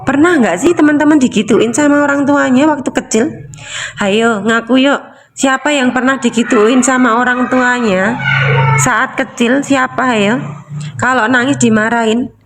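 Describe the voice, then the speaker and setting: Woman, casual teaching talk, repetitive, rhetorical questions, slightly high voice. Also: fairly even intonation, moderate pace, noisy background. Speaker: emotional release coach.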